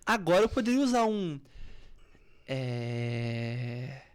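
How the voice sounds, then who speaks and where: A Brazilian woman explaining public speaking as a coach in a podcast interview, very expressive, swinging from firm, loud emphasis to soft near-whispers to show tone of voice. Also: rumbling low, slow, clean tone.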